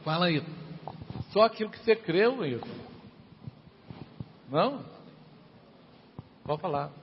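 A man's voice: high-pitched, animated, measured pace, slight background noise. A man preaching an informal sermon to a congregation, chatting and calling on listeners by name. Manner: conversational, calls on listeners by name. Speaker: pastor. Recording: dull, reverberant hall recording.

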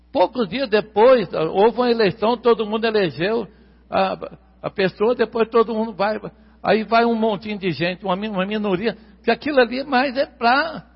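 A man's voice: sits high, creaky, husky. Brazilian male preacher, emphatic sermon delivery, muffled lo-fi recording with a long hall reverb. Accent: Brazilian Portuguese. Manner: emphatic, repeats key words, stretches them slowly.

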